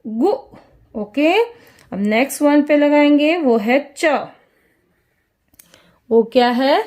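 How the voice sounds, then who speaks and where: A woman teaches small children in a high, clear voice. She talks slowly and patiently, asking each question twice and answering it herself. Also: lively intonation, a little mellow. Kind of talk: children's lesson.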